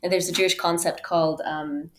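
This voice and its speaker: A woman in her thirties from Canada, a podcast guest telling her own story conversationally in an animated way. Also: on the low side, fairly quick. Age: 30s. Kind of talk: conversational interview, personal storytelling.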